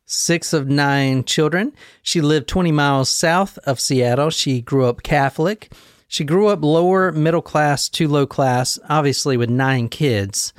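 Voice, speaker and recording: A man in his thirties hosts a casual true crime chat, walking his friends through a case with plenty of jokes at his own expense. His voice is smooth and clear and pitched a little high for a man. It is recorded close and dry. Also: unhurried, no room sound. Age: 30s. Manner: jokey, rambling storyteller with self-deprecating asides. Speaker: podcast host telling a true crime case.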